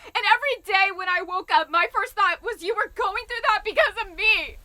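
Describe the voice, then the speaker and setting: A woman's voice: extremely high pitch, moderate pace, bright, forceful tone, no echo, studio quality. A woman playing an anguished, sardonic wartime spy in love, in an emotional audio drama with a bitter, wry edge. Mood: anguished, tearful.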